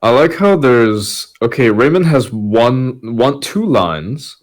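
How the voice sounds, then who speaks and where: A man's voice: medium pitch, animated, takes it slowly. A man with a mid-range voice in casual podcast banter. He talks in a wry, teasing and rather wordy manner. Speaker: podcast host and reader.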